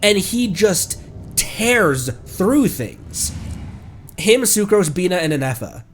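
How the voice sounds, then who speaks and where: A man with a stuffed-up nose giving casual, rambling commentary as a livestreamer, often halting and correcting himself. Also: high-pitched, sing-song, slightly rough. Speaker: livestreamer, VTuber. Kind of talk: casual game stream commentary.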